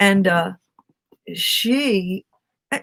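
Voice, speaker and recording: A woman is speaking. Her pitch is medium. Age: 60s. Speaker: wig channel host. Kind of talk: live stream chat. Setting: live stream. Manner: animated.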